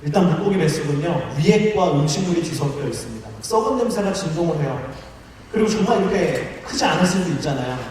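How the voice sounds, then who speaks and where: A man preaching to a college crowd, his voice pitched a little high and full of lively, joking storytelling. He sounds far from the mic, and long reverb rings around him in a big, echoey church hall. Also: fast. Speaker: pastor. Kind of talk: sermon to a college group. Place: large church auditorium.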